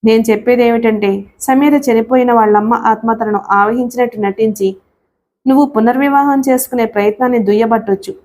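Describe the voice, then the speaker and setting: A woman's voice: fairly high pitch, steady tone, brisk, a little mellow, natural voice. A woman doing a sly, worldly male adviser. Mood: confiding. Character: middle-aged man, sly and worldly adviser.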